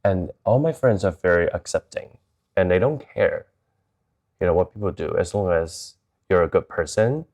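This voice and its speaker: Deep-voiced man, candid storyteller. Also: normal speed, darkish tone. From Taiwan, moved to Chicago. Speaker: interview guest.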